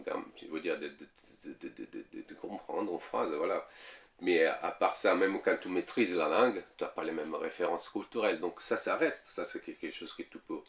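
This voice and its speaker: An Italian man in his thirties answers casual interview questions in French with an Italian accent, hesitating, filling pauses and repeating words. His voice is low-pitched and creaky.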